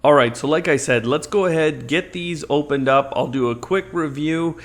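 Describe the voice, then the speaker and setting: A man's voice: fairly high pitch, moderate pace. Conversational man presenting a tech tutorial. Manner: explanatory, step-by-step. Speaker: product review host. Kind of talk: unboxing and tutorial narration, conversational.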